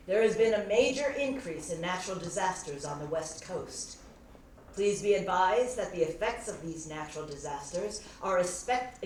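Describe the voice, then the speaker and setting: A woman plays a calm, official emergency announcer whose warnings ring out like an outdoor loudspeaker announcement. She speaks in a measured, formal way and repeats her warnings. The voice sounds distant in an echoey hall, with faint noise behind it. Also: lowish voice. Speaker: stage directions reader. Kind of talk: live staged play reading. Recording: echoey hall, heard from afar, faint ambience.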